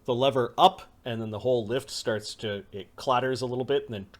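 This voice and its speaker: Man, game master, mid-pitched, rambling, lots of ums and restarts. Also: fairly quick. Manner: rambling, full of fillers and self-corrections. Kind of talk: narrating a tabletop game.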